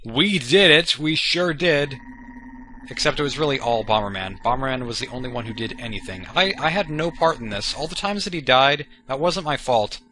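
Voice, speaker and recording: A man's voice: medium pitch, animated, moderate pace, pushed and bright, a little hiss or hum, poor audio. A young man giving casual, goofy let's-play commentary, joking about himself and tripping over his words, recorded at home on a desk mic. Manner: goofy, self-mocking, stammering restarts. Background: video game music.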